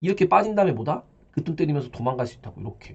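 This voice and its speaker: Very fast speech in a dark, mellow tone, with very wide pitch swings and vocal fry. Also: man. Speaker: stock market youtuber. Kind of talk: market commentary video.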